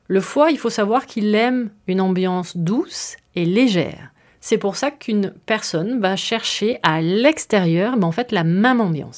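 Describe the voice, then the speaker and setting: Chatty woman hosting a wellness podcast. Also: medium pitch. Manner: chatty, explains with fillers and asides. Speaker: podcast host. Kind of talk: casual explanatory podcast monologue.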